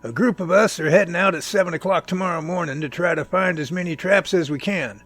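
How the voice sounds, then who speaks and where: A man playing a folksy, excitable professor who leads a search team in an amateur audio drama, with theatrical, old-fashioned phrasing. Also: sits high, fairly quick. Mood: friendly, explaining.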